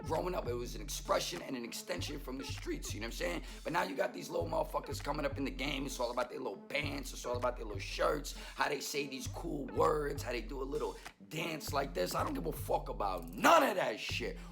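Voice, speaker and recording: Hoarse, gravelly man ranting bluntly. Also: mid-range voice, animated, fast talker, hardly any pauses, music in the background. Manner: blunt, streetwise, heavy swearing. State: hoarse, losing his voice. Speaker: vlog host. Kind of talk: casual profane rant to camera.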